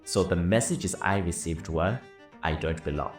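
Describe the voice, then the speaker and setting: Deep-voiced man telling his story. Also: normal speed. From Zimbabwe. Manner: reflective, earnest storytelling. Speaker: business and leadership coach. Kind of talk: personal story told over music. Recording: roomy, somewhat distant mic with soft music. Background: soft violin music.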